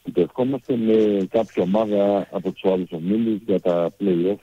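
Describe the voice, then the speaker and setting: A man who coaches a women's football team, answering in a hesitant, measured way with many fillers. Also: fairly low pitch, steady tone, dark tone, husky, muffled recording.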